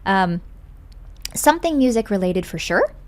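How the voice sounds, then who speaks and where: A woman's voice: mid-range voice, very animated, normal speed. A young woman chatting casually as a podcast guest, telling anecdotes in a giggly, talkative way full of "like". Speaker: podcast guest, voice actor and singer.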